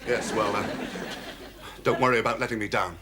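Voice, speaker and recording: A man's voice: lowish voice, fairly even intonation, a little fast, lightly acted. A man playing a fussy, pompous suburban director. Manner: fussy, flustered. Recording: hissy old TV audio.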